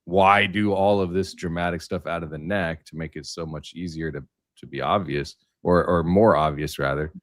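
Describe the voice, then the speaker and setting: A man's voice: low voice, steady tone, normal speed, dry recording, clean studio sound. A man talking casually in a roundtable discussion, with informal, slangy and emphatic phrasing. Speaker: livestream panelist.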